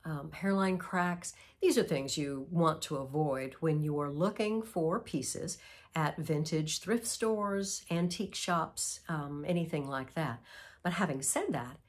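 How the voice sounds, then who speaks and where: A middle-aged woman hosting a vlog, explaining in a gentle, measured way, sounding nasal from a cold. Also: low voice. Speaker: vlog host. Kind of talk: casual instructional vlog. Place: antique mall, indoors.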